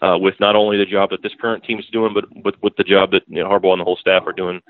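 A man's voice: low voice, little pitch movement, racing, no room sound. Blunt man on a tinny phone line. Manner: emphatic, blunt, repeats points. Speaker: newspaper beat writer, guest. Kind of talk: casual podcast interview.

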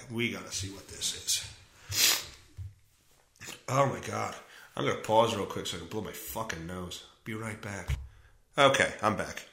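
A man's voice: a little high, sharp tone. A man hosting a casual solo podcast, reading news aloud and reacting with sarcastic, profane, rambling commentary from a room at home. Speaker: podcast host. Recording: roomy echoey home recording.

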